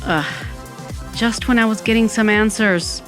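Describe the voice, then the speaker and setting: A woman's voice: fairly high pitch, measured pace, a bit bright. A woman playing a wry undead Latina who narrates her own story with dramatic flair in a comic audio drama. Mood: reflective. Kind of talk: first-person comic audio fiction narration. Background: music.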